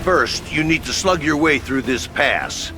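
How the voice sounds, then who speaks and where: A man's voice: fairly high pitch, animated, unhurried. An actor playing a wisecracking male headquarters officer who gives orders in a laid-back, casual way over music. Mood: wry. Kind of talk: game cutscene voice acting. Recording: game audio with loud music behind.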